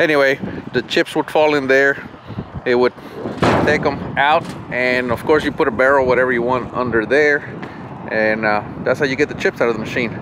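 A man speaks at a fairly quick pace with fairly even intonation and very even loudness over noticeable background noise. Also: dry sound with no echo. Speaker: machine shop owner vlogger. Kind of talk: casual vlog chat. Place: open country. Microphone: phone near.

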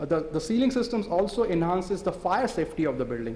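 A man speaks at a very fast pace. His pitch is high. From India. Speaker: corporate trainer; conference presenter. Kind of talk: presentation. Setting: stage with audience. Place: hall. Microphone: podium.

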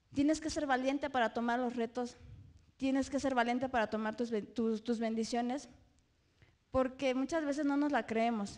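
Against a quiet background, a woman with a Mexican accent talks at a moderate pace with long, frequent pauses. Her pitch is high, her intonation fairly even and her loudness very even. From Mexico, State of Mexico, Toluca area; State of Mexico, Mexico. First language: Otomi (speaking Spanish). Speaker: professional boxer; speaker. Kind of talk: motivational talk. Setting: stage with audience. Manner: halting. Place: hall. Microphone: handheld.

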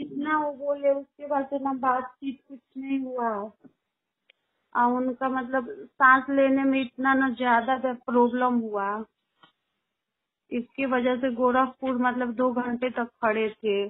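Speaking at a very slow pace, a woman uses a high voice with fairly even intonation. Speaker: bereaved widow. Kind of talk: phone interview answer. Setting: phone line. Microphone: phone line.

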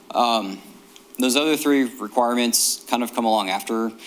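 A man speaks with a fairly low pitch. There is noticeable background noise. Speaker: state historic preservation officer. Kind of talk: presentation to a commission. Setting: city planning commission meeting. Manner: fast; frequent filler ums.

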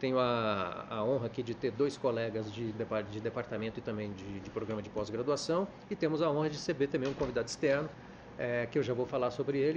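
Talking very quickly, a man holds a medium pitch. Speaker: debate moderator, political science professor. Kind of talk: moderating an academic panel.

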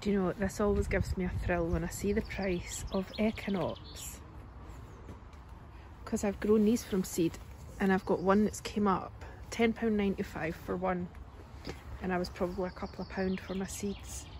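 Moderate pace from a woman with long, frequent pauses, a dry sound with no echo and light background noise. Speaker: garden vlogger. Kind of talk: casual vlog chat. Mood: delighted, enthusiastic. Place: shop. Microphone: phone near.

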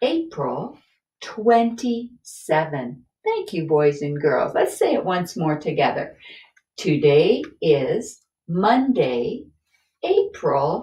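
Vocal fry runs through the voice at a very slow pace. Audible room echo surrounds it. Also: woman. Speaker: teacher. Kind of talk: calendar lesson for young children. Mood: warm, encouraging, sing-song. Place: home room. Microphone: camera far.

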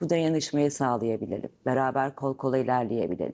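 A woman speaks at a very deep, low pitch with ordinary variation. Her tone is dark and mellow. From Istanbul, Turkey. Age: 30s. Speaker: natural cosmetics entrepreneur. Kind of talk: interview. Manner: hesitant, many fillers.

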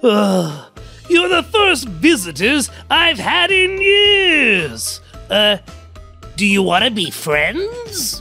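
Faint music plays in the background as a cartoonish character voice speaks at a very slow pace. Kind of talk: children's puppet show. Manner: cheerful, warm, eager.

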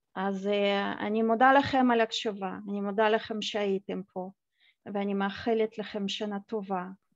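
A woman of medium pitch speaks fairly slowly in a monotone, flat intonation, with a dry sound with no echo and a quiet background. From Uzbekistan. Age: 40s. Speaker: graduate student presenting her internship; guest. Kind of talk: presentation on a video call. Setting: video call. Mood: warm, personal. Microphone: headset.

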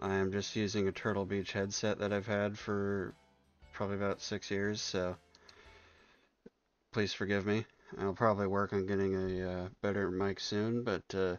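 A man speaks at a moderate pace in a fairly low, flat monotone, his loudness very even throughout. Long, frequent pauses break up the dry, echo-free sound, with faint music in the background. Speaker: gaming channel host. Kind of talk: casual gameplay commentary. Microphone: headset.

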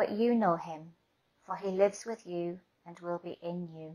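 The background is quiet. The speaker uses fairly even intonation at a fairly slow pace. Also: woman. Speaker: scripture reader. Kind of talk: reading aloud. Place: home room. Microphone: webcam.

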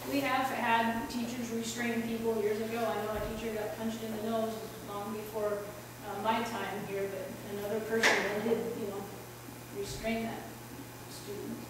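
Loud background noise fills the recording, along with audible room echo. The pace is moderate. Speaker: school administrator at board meeting. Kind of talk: board meeting presentation. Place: meeting room. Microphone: camera far.

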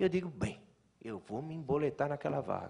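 Dark, mellow male voice at a moderate pace, lively intonation, light background noise. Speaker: sailor and author; guest. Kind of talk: storytelling talk to audience. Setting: stage with audience. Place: hall. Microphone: podium.

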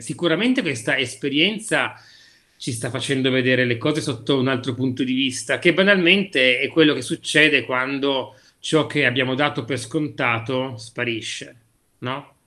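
A man talks at a moderate pace over a quiet background. His tone is bright and sharp, with ordinary pitch variation. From Piedmont. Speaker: writer; guest. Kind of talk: interview. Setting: video call. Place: home room. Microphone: video call.

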